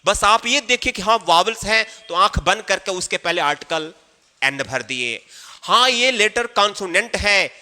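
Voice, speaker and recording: Man, grammar lesson, very bright tone, long reverb. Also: high-pitched, lively intonation, moderate pace. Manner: emphatic, repeats examples and asks rhetorical checks. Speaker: English grammar teacher. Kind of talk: classroom-style grammar lesson.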